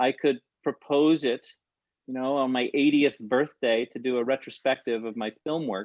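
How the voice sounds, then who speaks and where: A man with an unremarkable speaking voice talks at a moderate pace, his pitch fairly high. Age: 50s. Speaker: film set photographer. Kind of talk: casual interview chat.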